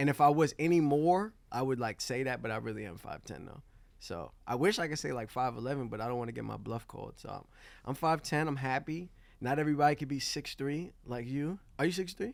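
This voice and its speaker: A man with a New York accent speaks at a fairly high pitch with ordinary pitch variation and big swings in loudness, on a very clean recording with a silent background. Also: fairly quick pace. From New York, Queens. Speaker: journalist. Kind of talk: casual chat.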